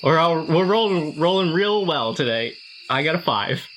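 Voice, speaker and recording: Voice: mid-range voice, animated, moderate pace, fairly bright tone, slight background noise, rough recording. A tabletop game player chatting casually and describing a character's moves.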